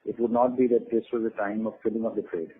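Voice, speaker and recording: A man speaking as a company executive, giving halting, measured, unscripted answers on an earnings call over the phone. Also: on the low side, level tone, slightly rough. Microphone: phone conference line. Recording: tinny phone-line conference call.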